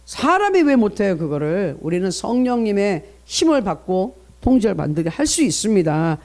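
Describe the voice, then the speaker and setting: Man, middle-aged, pastor, high voice, earnest preaching, early-morning sermon. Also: big pitch swings, normal speed, darkish tone. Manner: earnest preaching, reads scripture aloud, acts out parents' inner voices.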